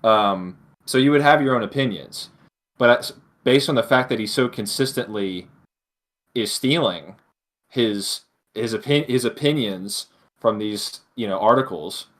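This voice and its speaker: Guy on a podcast with a lowish voice, casual and opinionated. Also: unhurried, fairly bright tone. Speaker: podcast co-host.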